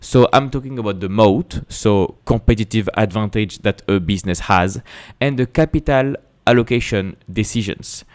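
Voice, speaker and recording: Talking to camera for his investing channel, a Frenchman with a French accent explains things in a casual but emphatic way, using rhetorical questions and repeating words and restarting. His darkish, lowish voice runs at normal speed with hardly any pauses.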